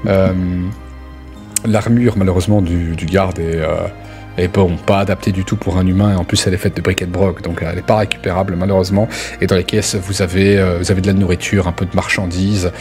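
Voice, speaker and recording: Game master, male, lowish voice, halting improvised storytelling, faint music underneath. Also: flat delivery, darkish tone. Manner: halting, conversational, searching for words. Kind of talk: improvised narration of a tabletop role-playing game.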